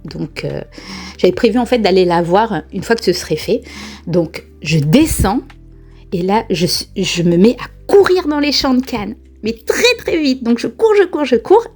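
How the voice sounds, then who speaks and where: A woman vlogger telling a personal spiritual experience in a casual, lively way, often laughing and exclaiming. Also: mid-range voice, moderate pace, husky, faint music behind. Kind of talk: casual first-person storytelling.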